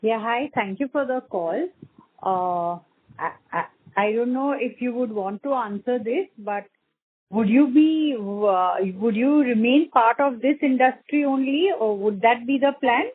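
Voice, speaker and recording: A woman's voice: a little high, measured pace, breathy edge. A woman, an analyst putting questions on a conference call. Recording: tinny phone line.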